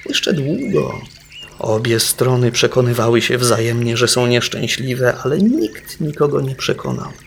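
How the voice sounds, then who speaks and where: A man narrating a storybook in a wry, measured way. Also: mid-range voice, vocal fry, slight background noise. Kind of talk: storybook reading.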